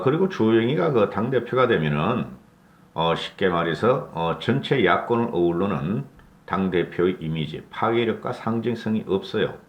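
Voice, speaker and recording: A man from North Gyeongsang, South Korea, gives blunt political commentary, and his pitch swings widely as he talks. He keeps asking his listeners to agree with him. His voice rings around an echoey room. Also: highs cut off. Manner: blunt, opinionated, asks for agreement with rhetorical tags. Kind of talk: casual political commentary monologue.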